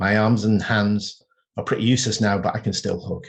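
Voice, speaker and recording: With a Mancunian accent, a man speaks at a moderate pace. His voice is fairly low and somewhat breathy. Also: quiet background. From northern England, Manchester. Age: 60s. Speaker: patient sharing personal story. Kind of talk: testimony. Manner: careful, scripted delivery.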